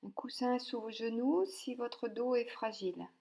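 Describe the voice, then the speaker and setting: A woman leading a guided yoga nidra relaxation, speaking calmly and softly with long pauses between short instructions. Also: a little high, vocal fry. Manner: calm, soothing, with long pauses.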